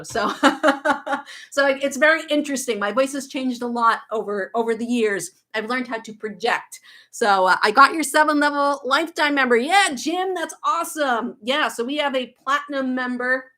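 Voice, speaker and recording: Chatting on her livestream, a woman in her thirties who teaches guitar reads viewer comments aloud, answers questions and makes quick asides, with a faint Boston accent. She speaks in a fairly high, sharp-toned voice.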